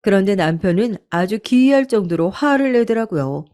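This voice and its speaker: A woman's voice: mid-range voice, animated, moderate pace, dark tone. A woman narrating a true-story radio drama in the first person, earnest and confiding.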